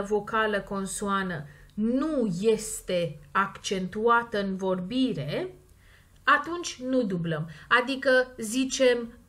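A woman with a Romanian accent gives a grammar lesson in a fairly high voice. She moves quickly through her explanations, then slows right down to sound out each example word with care. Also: bright, forceful tone. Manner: slow, stressed model words between quick explanations. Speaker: language teacher.

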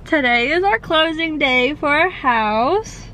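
A young woman narrates a casual walk-through vlog with a camera at arm's length. She talks slowly, a little high, and giggles between remarks. Bare, echoey rooms ring around her voice. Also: animated, sharp tone, a little hiss or hum. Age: young adult. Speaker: vlogger. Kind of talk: casual vlog, house tour. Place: car, then empty house with bare rooms. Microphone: handheld camera at arm's length.

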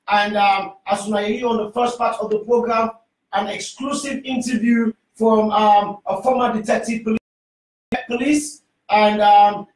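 A male radio host speaks in a high voice with a Sierra Leonean Creole accent, slipping between English and Creole. He presents a live talk show from a small studio, sounding roomy and set back from the microphone. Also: fairly even intonation, a little slow, far from the mic.

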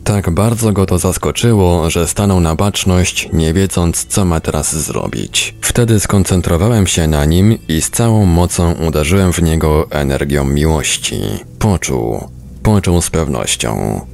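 A man's voice: deep voice, animated, a little slow, creaky, a little mellow. A man reading a first-person book aloud as scripted narration. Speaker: audiobook reader.

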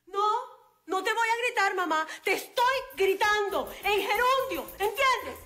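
A woman's voice: sits high, unhurried. An actress playing a flustered, stressed woman with a Venezuelan accent in a TV comedy-drama. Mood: pleading. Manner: flustered and exclamatory, talks herself calm. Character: frazzled woman on New Year's Eve.

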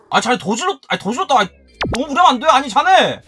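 A man doing excited commentary as a gaming YouTuber, shouting and groaning as he opens eggs, with mock-formal asides. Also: very high-pitched, a little hiss or hum. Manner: animated, shouts and groans while opening eggs.

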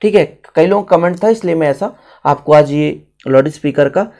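A man's voice: a little high, moderate pace, dark tone. An Indian man teaching a writing lesson step by step, repeating phrases and switching languages as he explains each one.

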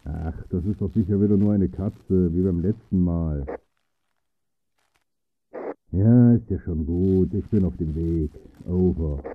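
Man playing a slow, deep-voiced grumbling security guard. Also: no echo, narrow, tinny audio. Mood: weary, annoyed. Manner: slow, weary, irritated. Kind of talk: German audio drama acting.

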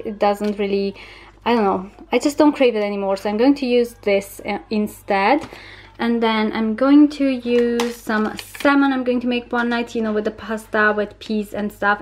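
A young woman talking casually and chattily in an informal vlog style, recorded on a handheld camera in a home kitchen. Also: a little high. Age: young adult. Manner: chatty and informal, small laughs between remarks. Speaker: vlogger.

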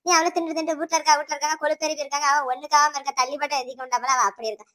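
A performer voicing an older village woman neighbor in a cartoon, lecturing the couple in a rapid Tirunelveli accent. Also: high-pitched, flat delivery, bright, forceful tone. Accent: Tirunelveli Tamil. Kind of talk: cartoon voice acting.

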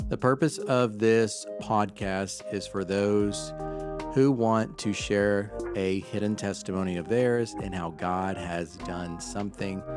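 Earnest man with a smooth, low voice. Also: no room sound. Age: 30s. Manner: chatty, earnest, loose with fillers. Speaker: podcast host. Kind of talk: casual faith podcast monologue. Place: home office, indoors. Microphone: handheld mic close to mouth.

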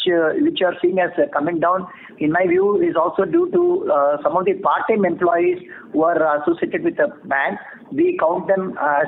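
High-pitched Indian man on a tinny phone line. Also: slight background noise. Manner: measured, formal, explanatory. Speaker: bank executive answering analysts. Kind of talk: earnings call answer. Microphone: phone conference call.

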